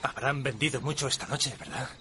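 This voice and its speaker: A man's voice: mid-range voice, brisk, bright, forceful tone, a little hiss or hum, lightly acted. A man playing an earnest, stammering preacher. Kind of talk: dubbed TV drama.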